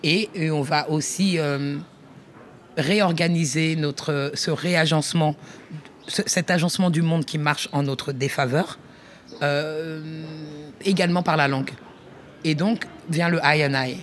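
A woman's voice: sits low, steady tone, a little slow. Woman researcher, reflective workshop talk, hesitant and searching, with frequent restarts and a familiar tone. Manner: thinks aloud with many restarts, addresses the listener informally.

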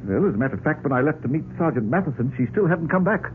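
An actor playing a fretful, henpecked politician who stammers and fusses in 1940s radio drama style. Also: male voice, fairly high pitch, expressive, rapid-fire, natural voice. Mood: flustered, indignant. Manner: stammering, fussy, protesting. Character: flustered, fretful male political candidate, henpecked husband. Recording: narrow-band, very noisy old radio recording.

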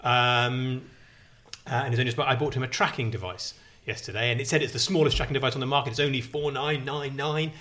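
A man's voice: medium pitch, steady tone, a little fast, sharp tone. A man co-hosting a casual chat, telling wry stories and ranting with gusto. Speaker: podcast co-host.

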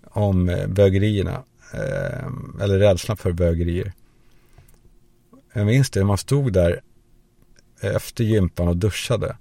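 A man's voice: low voice, animated, creaky, pauses often, dark tone, no echo. A man hosting a podcast, telling a rambling, crude comic story as a monologue and acting out the voices of the people in it. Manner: rambling, crude anecdotal humor; acts out quoted voices. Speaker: podcast host.

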